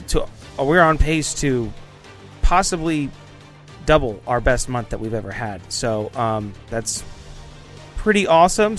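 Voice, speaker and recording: A man with a mid-pitched voice talks as a podcast host over faint music. He is casual and unscripted, feeling his way through the sign-off. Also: fairly bright tone. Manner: hesitant, unscripted.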